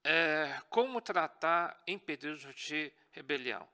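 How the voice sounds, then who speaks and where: Bright-voiced Brazilian man teaching a church class. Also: a little high, expressive, unhurried. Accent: Brazilian Portuguese. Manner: earnest, checks in with the class often.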